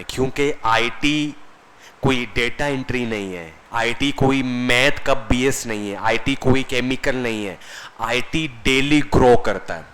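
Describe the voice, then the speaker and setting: A man's voice: mid-range voice, fairly bright tone, a little hiss or hum, low-quality recording. A man teaching a classroom lecture as a computer course instructor, conversational, often asking the class questions and answering them himself.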